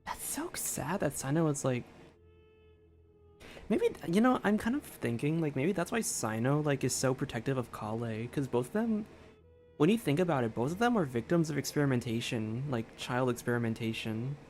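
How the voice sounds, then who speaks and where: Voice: mid-range voice, big pitch swings, normal speed, darkish tone. A game streamer giving casual reaction commentary in a tentative, rambling way. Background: game music.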